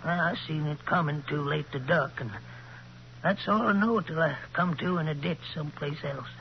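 A scared, slangy tramp pleads in a high voice, in 1940s radio drama style. The recording is dull and faintly noisy, with hum. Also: male voice, moderate pace, gravelly. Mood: insistent. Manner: pleading, slangy uneducated speech. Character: scared gray-haired tramp protesting his innocence.

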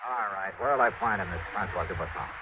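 A man's voice: deep voice, quick pace, noisy background, natural voice. An actor playing a wry, hard-boiled insurance investigator who narrates his own case in a 1950s radio drama. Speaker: narrator and lead. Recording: lo-fi old radio with music cues.

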